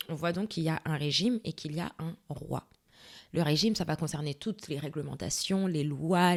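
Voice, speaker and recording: A young woman hosting a faith-based self-help podcast, talking straight to the listener and often checking in with a quick question. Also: lowish voice, darkish tone. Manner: conversational, addresses listener directly with frequent "ok?" and "tu vois". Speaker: podcast host.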